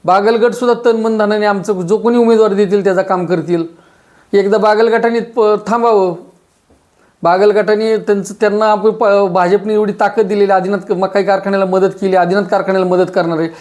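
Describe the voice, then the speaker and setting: Forceful high-voiced politician. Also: male voice, steady tone, brisk. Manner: forceful, declarative, repetitive. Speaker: local party leader. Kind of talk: press statement.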